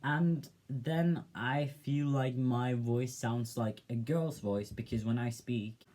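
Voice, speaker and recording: Soft-spoken young man musing on camera. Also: medium pitch, slow pace. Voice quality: soft, gentle voice. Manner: reflective, hesitant, with many fillers. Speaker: vlogger. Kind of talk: casual personal vlog.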